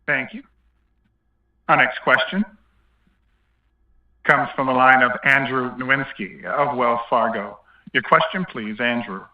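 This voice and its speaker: Male conference operator, mid-pitched, formulaic scripted introductions, dull lo-fi phone-call sound. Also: a little slow, long pauses, reverberant.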